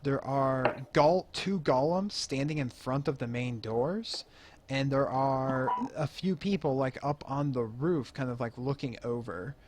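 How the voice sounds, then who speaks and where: A man's voice: mid-range voice, a little slow, slight background noise. A man narrating a tabletop game as game master, rambling with lots of "um" and "like". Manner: rambling, full of "um" and "like".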